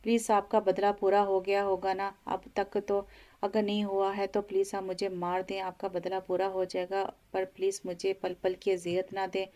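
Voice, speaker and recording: A woman's voice: medium pitch, completely flat delivery, moderate pace, dark tone, lightly acted. A woman voicing a heartbroken young wife in an audio novel, pleading in a tearful way.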